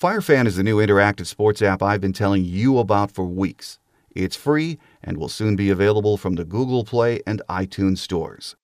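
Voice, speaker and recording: A man's voice: on the low side, normal speed, no echo, clean studio sound. A man hosting a sports podcast, reading game notes and promos. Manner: steady announcer delivery, reading notes and promos. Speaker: podcast host.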